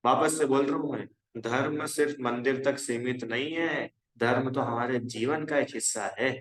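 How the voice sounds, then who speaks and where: A man's voice: medium pitch, steady tone, normal speed, fairly bright tone. Male religion teacher, conversational and exhorting, checks if the class follows, roomy echo. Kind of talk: casual spoken lesson to a youth class.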